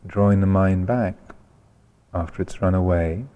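Male meditation teacher, very low voice, soft mellow tone, calm and unhurried, long pauses. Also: highs cut off. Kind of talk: guided meditation instruction.

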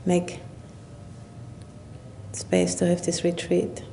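A woman guides a meditation in a lowish, very level voice. Her phrases come slowly and haltingly, with long gaps between them. A faint rumble of background noise sits under the recording. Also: monotone, gravelly, dark tone. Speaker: Buddhist nun leading meditation. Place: retreat session at a monastery or retreat center.

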